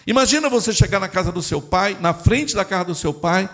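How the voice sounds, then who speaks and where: Male pastor, church sermon, animated delivery, gravelly voice, fairly high. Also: a little fast. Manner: animated preaching, addresses the congregation directly.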